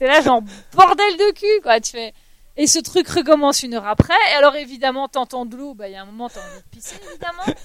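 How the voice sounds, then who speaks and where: A high-pitched woman at a fairly quick pace, with very wide pitch swings, big swings in loudness and noticeable background noise. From Belgium, Brussels. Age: 30s. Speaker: cargo bike courier and bikepacking cyclist. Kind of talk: casual interview chat. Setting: remote call. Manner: animated, informal.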